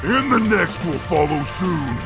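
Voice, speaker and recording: A man voicing a furious, defiant alien warrior in a cartoon battle, shouting aggressively. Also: fairly high pitch, sing-song, measured pace, pitched above the performer's own voice. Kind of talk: cartoon fight voice acting. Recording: loud music over the voice.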